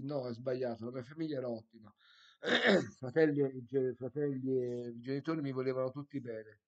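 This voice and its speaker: The background is quiet. A man's intonation stays fairly even as he talks at a moderate pace. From Tuscany, Italy (Cetona); Tuscany, Italy. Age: 50s. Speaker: comics video blogger. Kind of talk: casual monologue. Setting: evening solo video recording. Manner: rambling, digressive. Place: home room. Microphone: webcam.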